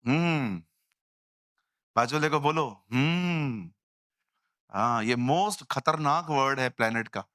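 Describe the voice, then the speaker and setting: A male pastor preaching a lively sermon in a church, mimicking people in quoted voices. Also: medium pitch, a little slow, no room sound, clean studio sound. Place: church hall.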